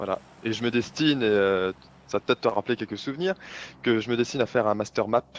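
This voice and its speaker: A man at medium pitch talks at a very fast pace yet leaves long, frequent pauses. The sound is dry and close, with no echo. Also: ordinary pitch variation. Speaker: history student calling into a live stream. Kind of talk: casual chat.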